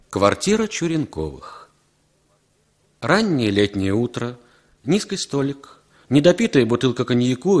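A man narrating a radio play in a measured, theatrical way. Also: mid-range voice. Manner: measured, theatrical, lively delivery.

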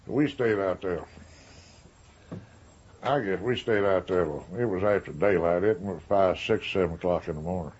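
A man's voice: sits low, a little slow, a little mellow, breathy edge. A man telling his war story informally, in a folksy, plain-spoken way. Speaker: military veteran interviewee. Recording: dull documentary interview audio.

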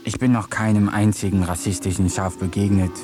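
A sly black sheep answers calmly and briskly in a low voice, acted by a man. The tone stays matter-of-fact, as if the answers were obvious. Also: music in the background, lightly acted. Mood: smug. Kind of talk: radio play acting.

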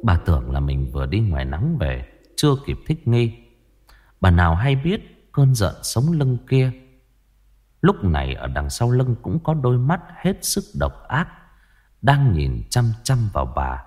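A man narrating a ghost story in a lively way. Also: fairly low pitch, measured pace, slightly rough.

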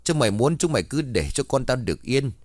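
A man's voice: mid-range voice, sing-song, fast talker, darkish tone, no room sound, voice pushed up. Guy putting on a screechy old granny, cursing and wailing, voice jumping all over, dry sound. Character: furious wailing old grandmother.

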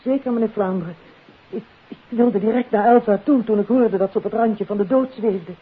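A woman's voice: mid-range voice, brisk, breathy edge. An actress playing an anxious, earnest and polite female suspect in a 1950s Dutch radio play. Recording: tinny, muddy old radio recording.

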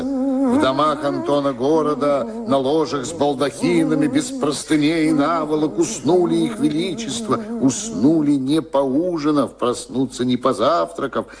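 An actor playing a folksy fairy-tale narrator in a radio play, telling it in rhythmic rhyme with music behind. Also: male voice, a little high. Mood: unhurried, wry. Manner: rhythmic, rhyming storytelling.

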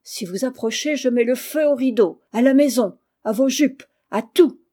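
A woman's voice: a little high, moderate pace, mellow, lightly acted. A woman reading aloud voices a hot-tempered young orphan boy who speaks up boldly and defiantly. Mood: threatening. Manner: bold, raised voice, defiant.

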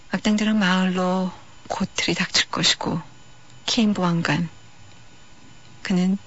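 A woman hosting a radio film-music show, talking about films in a calm, reflective, unhurried way. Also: medium pitch, slightly rough. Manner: calm, reflective, unhurried delivery with soft pauses. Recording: dull lo-fi radio archive.

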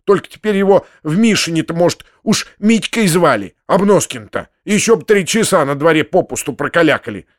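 A man voicing a hot-tempered, grumbling landowner who snaps with gruff sarcasm. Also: on the high side, lively intonation, fairly quick, hardly any pauses, no room sound, clean studio sound, voice pushed up, lightly acted.

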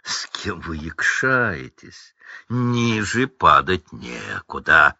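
A man's voice: low-pitched, big pitch swings, extremely slow, creaky, pushed and bright, no echo, lo-fi sound, pitched below the performer's own voice, exaggerated voice. Lucius Malfoy, a drawling aristocrat, read by a man. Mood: condescending. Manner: condescending, drawling, smirking. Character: haughty cold aristocratic older wizard father.

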